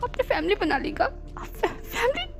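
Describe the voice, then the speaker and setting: A woman's voice: very high-pitched, very animated, moderate pace, creaky, faint music behind, voice pushed up, full character voice. A woman voicing a drunk, tearful young man who pleads with his lover, stammering and mixing in English words. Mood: pleading, tearful. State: drunk and crying.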